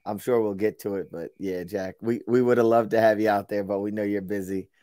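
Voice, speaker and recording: A man's voice: fairly low pitch, steady tone, a little fast, mellow, no echo, clean studio sound. A man co-hosting a casual podcast, easygoing and joking as he tells a story. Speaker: podcast co-host.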